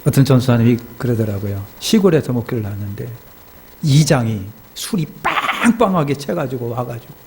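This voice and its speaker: Korean pastor preaching with gravelly voice. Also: male voice, moderate pace, slight background noise, poor audio. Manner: animated storytelling, acting out distressed congregants with high crying voices. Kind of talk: sermon with acted anecdotes. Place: church sanctuary.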